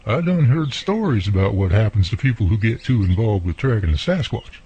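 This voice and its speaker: Guy acting a folksy american country neighbor fella, real husky, muffled dry sound, radio drama. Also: fairly low pitch, lively intonation, brisk, mellow. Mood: wary, firm. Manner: folksy, colloquial, drawling turns of phrase. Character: folksy, friendly, plainspoken country handyman neighbor, family man. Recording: muffled, lo-fi audio.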